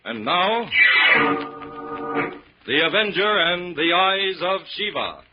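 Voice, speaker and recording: Animated radio announcer man, high-pitched. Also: slow pace, over loud music. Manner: grand, theatrical delivery. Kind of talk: dramatic 1940s radio announcing. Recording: noisy, muffled vintage radio recording.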